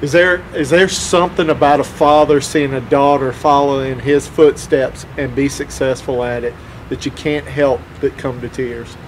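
With light background noise behind him, a man with a plain, everyday voice talks at a moderate pace, using a fairly high pitch and fairly even intonation. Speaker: interviewer. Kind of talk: interview. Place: garden.

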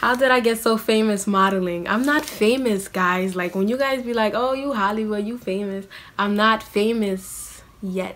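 Speaking in an American accent with an animated tone, a woman keeps a moderate pace and a fairly high pitch with ordinary pitch variation and hardly any pauses. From US East Coast, New Jersey, Senegalese family. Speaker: YouTuber and aspiring model; beauty vlogger. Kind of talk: casual Q&A vlog. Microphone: phone near.

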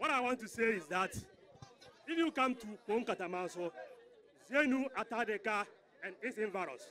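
In a Ghanaian accent, a man projects a raised, high-pitched voice with a bright, sharp tone and lively intonation. He keeps a moderate pace over light background noise. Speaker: local resident speaking at a forum. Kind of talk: public comment at a town hall. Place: street. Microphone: handheld.

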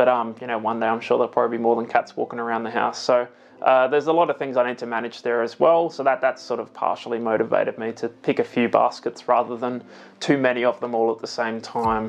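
The intonation is fairly even. A man delivers it at a very fast pace. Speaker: channel host. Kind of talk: casual vlog chat. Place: home room. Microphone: lapel.

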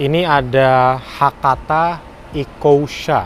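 Music plays behind a man speaking with fairly even intonation. The sound is dry, with no echo. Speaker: travel vlogger. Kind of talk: casual vlog chat. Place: street. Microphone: phone near.

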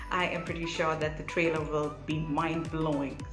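A woman speaks at a moderate pace with audible room echo. Music plays clearly in the background. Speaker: reaction vlogger. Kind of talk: casual vlog chat. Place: home room. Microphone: phone near.

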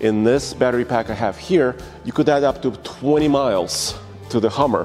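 With faint music in the background, a man speaks with ordinary pitch variation. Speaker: video host. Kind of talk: product demonstration. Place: garage. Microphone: lapel.

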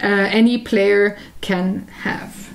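A woman's voice with a German accent against a quiet background. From Germany. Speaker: board game podcast co-host. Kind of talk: casual chat. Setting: studio. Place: home room.

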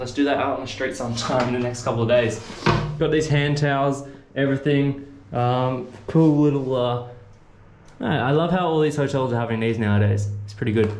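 In a room with audible echo, a man speaks at a fairly quick pace. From Australia. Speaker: travel vlogger. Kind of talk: casual travel vlog narration. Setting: outdoors on the street. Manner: animated. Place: home room. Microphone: phone near.

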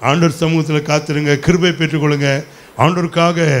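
Fairly high for a man, his is an unremarkable speaking voice. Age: 60s. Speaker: pastor. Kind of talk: sermon. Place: church. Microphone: handheld.

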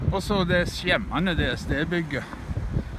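A man is heard in a dry sound with no echo amid loud background noise. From Norway, Stavanger; Norway. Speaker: video blogger; vlogger. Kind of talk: vlog narration walking around town. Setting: outdoors. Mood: calm, mildly wry. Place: street. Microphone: phone near.

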